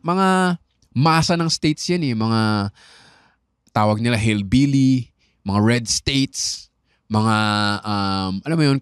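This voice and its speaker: A man's voice: mid-range voice, no room sound, clean studio sound. A young adult man with a Filipino accent, hosting a podcast as a comedian. He answers listener questions in a loose, rambling way and keeps asking "di ba?". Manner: chatty and rambling, tagging on "di ba?" and "alam mo yun".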